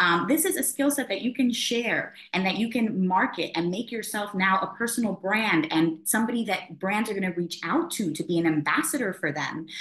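With an American accent, a woman talks with lively intonation and hardly any pauses. Audible room echo surrounds her voice. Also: medium pitch for a woman, moderate pace. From US Northeast, Philadelphia. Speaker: travel content creator. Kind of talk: podcast interview. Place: home room. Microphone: webcam.

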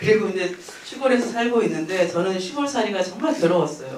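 With very wide pitch swings, a woman's voice carries audible room echo and light background noise. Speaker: novelist, book talk guest. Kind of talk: author talk, storytelling lecture. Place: shop.

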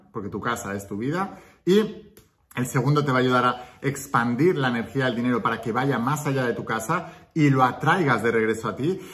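A man with lively intonation at a fairly quick pace. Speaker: self-help teacher. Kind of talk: motivational talk to camera. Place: home room. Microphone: phone near.

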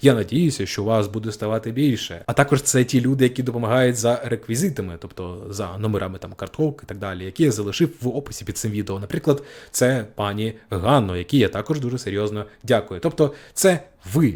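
Against a silent background in a very clean recording, a man with a plain, everyday voice speaks at a medium pitch and a fairly quick pace with lively intonation. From southern Ukraine, Mykolaiv. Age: 20s. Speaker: political analyst, YouTuber. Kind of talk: monologue to camera, autobiographical. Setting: home studio, mic in front.

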